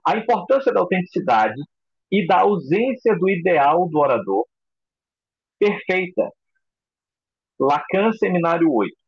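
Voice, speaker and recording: A man teaching a recorded psychoanalysis lecture in an expressive way, acting out example voices. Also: sits high, measured pace, long pauses, husky, no echo, dull audio. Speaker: psychoanalysis instructor.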